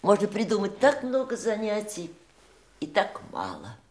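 Женский голос средней высоты: собранную, гордую женщину, говорящую размеренно и задумчиво, с тенью пренебрежения. Запись звучит гулко, будто в большом зале. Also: female voice, mid-range voice, wildly swooping pitch, darkish tone. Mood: reflective. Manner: measured, reflective, faintly disdainful. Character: composed woman facing widowhood, reflective and proud. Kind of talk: 1980s stage radio play acting. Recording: echoey stage recording.

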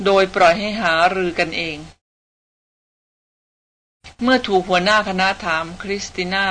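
A woman reading a novel aloud as an audiobook narrator, in an even, steady storytelling manner. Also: medium pitch, unhurried.

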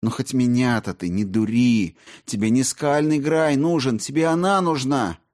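A man voicing an angry young princess who hisses and shouts in contempt, reading a storybook scene. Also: medium pitch, moderate pace, slightly rough, pitched above the performer's own voice, lightly acted. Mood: furious. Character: furious young woman, a princess, scornful.

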